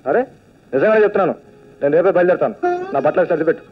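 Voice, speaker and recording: A man's voice: on the high side, lively intonation, loud music behind the voice, natural voice. An actor playing a defiant, hot-headed young village man in a film drama. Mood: stubborn. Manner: defiant, huffy, quick to argue. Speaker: young man, brother of the aunt. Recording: dull lo-fi film soundtrack.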